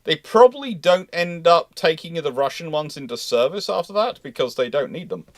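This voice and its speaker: A man's voice: on the high side, big pitch swings, normal speed, no echo. A man hosting a live history question-and-answer discussion, rambling and often restating himself mid-sentence. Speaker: host of a live naval history Q&A.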